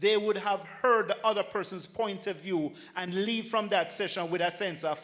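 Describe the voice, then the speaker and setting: A man with a high pitch speaks at a moderate pace with ordinary pitch variation. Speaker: mediation presenter. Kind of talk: presentation.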